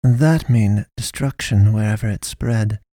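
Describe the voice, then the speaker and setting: A man reading a story, voicing a stern foreign woman pastor who hunts monsters, speaking slow, blunt, broken sentences. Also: on the low side, dark tone, no room sound, studio quality. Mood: grave. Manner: broken grammar, blunt, measured.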